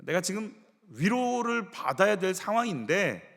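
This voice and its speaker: Male pastor, sermon delivery, lively and expressive, slightly higher voice. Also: moderate pace, vocal fry, long reverb tail. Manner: animated storytelling, acting out quoted voices. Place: church sanctuary.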